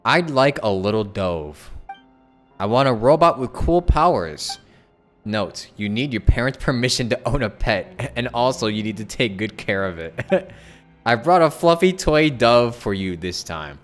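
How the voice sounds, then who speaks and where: A man's voice: medium pitch, animated, a little slow, faint music behind. A man live streaming a video game, chatting casually and reading aloud in an offhand way. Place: indoors, streaming with game music behind.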